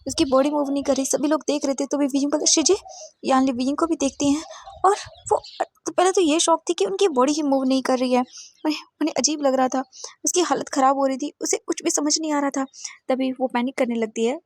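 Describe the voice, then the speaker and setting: A woman narrating a fan fiction story in a hurried, repetitive way. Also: high voice, fairly even intonation, darkish tone, no room sound.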